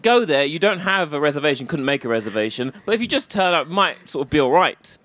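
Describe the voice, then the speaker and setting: Man, comedian, rambling storyteller, self-deprecating, lively swooping pitch, live stage interview. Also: fast talker, dry recording. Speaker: comedian guest.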